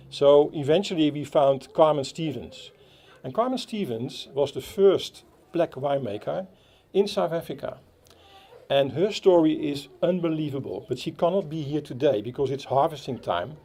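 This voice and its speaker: A man with a Dutch accent giving a halting speech at a playground opening, with many fillers and restarts. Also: fairly high pitch, lively intonation, dark tone. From Netherlands. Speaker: Rotary club speaker. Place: outdoor playground.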